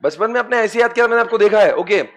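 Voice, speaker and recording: A man's voice: sits high, rapid-fire, a little hiss or hum. A man lecturing a class of commerce students, chanting memory tricks and coaxing them to repeat after him. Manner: lively, chants mnemonics and coaxes students to repeat; addresses students as beta and friends, teasing.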